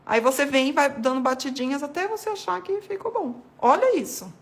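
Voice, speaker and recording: Woman chatting thru a watercolor demo, kinda high voice, keeps saying look here. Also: a little fast. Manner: chatty, addresses viewers as "gente", points things out while painting. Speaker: art devotional host. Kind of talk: casual watercolor painting tutorial.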